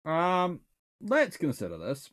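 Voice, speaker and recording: A naval historian takes viewer questions in a casual livestream from a small, book-lined home study. His voice is a little high and a bit bright, with huge pitch swings and a slow pace, and he rambles and corrects himself while thinking aloud.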